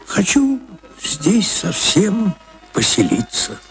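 A grey retired veterinarian. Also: male voice, sits high, wildly swooping pitch, takes it slowly, faint music behind, heavily acted, poor audio. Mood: friendly. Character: grey-haired retired male veterinarian, settled and mild.

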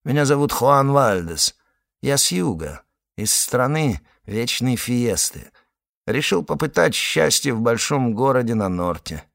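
A short, stout male detective with a put-on foreign accent, flowery and proud, easily stung, as a male reader puts him on. His pitch swings widely and the sound is close and dry. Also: very animated, creaky, a bit bright, no room sound, full character voice. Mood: boastful. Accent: put-on southern foreign accent. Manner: flowery, proud, quick to anger. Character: small fat swaggering male detective from the south.

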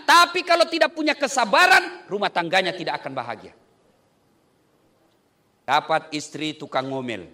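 A man preaching a humorous sermon on marriage, joking with the congregation as he goes. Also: very high voice. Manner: joking, lively delivery with playful asides to the congregation.

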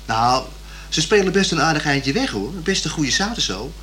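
A man playing a plain-spoken, stubborn but good-natured young working-class man in a radio play, talking haltingly and colloquially. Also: on the high side, very animated, sharp tone, a little hiss or hum. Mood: sceptical. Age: young adult. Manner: halting, colloquial, repeating himself.

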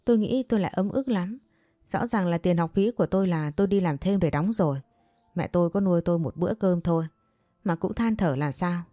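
A woman's voice: lowish voice, a little fast, dark tone, no room sound, studio quality. A woman narrating an emotional first-person story in an earnest way. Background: faint music.

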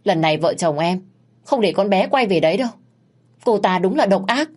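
A woman's voice: medium pitch, expressive, moderate pace, a little mellow, lightly acted. A woman voicing a caring, protective aunt who speaks earnestly and emphatically. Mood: indignant.

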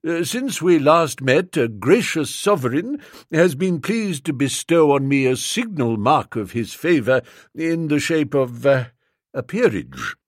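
A man's voice: on the high side, sing-song, measured pace, no echo, clean studio sound. A man doing a pompous old stout lord. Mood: stately. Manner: stiff, formal, long-winded. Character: pompous elderly newly made lord, stout.

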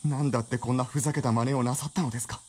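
妻である女性を厳しく問い詰める青年を演じる男性俳優。ラジオドラマの芝居。. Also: male voice, medium pitch, steady tone, rapid-fire, husky, close to an everyday voice. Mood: indignant. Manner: agitated, pressing questions. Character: earnest young male writer's companion, indignant. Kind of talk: radio drama acting.

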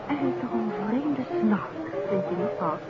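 An actress playing a detective's refined, frank and dryly witty wife in a 1950s radio drama. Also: female voice, fairly high pitch, animated, unhurried, over loud music. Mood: wry. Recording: very noisy, dull old radio, crowd behind.

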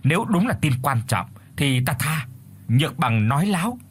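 Village frog-catcher, taunting, bossy, husky; a man reads him. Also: fairly high pitch, very animated, normal speed, exaggerated voice. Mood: mocking. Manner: mocking, bossy. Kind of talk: storytelling.

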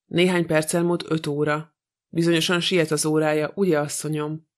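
A man's voice: fairly high pitch, little pitch movement, natural voice. A man voicing a polite, composed male detective with a courteous, precise manner in an audiobook.

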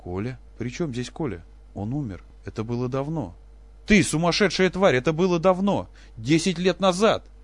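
A man's voice: mid-range voice, animated, normal speed, no room sound. A man voicing a broken, aging male professor who turns desperate and explosive. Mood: furious. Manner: shouting, frantic.

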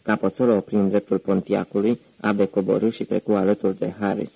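A man narrating a crime novel audiobook in a measured, even reading. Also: fairly low pitch, creaky, husky, no echo, rough recording.

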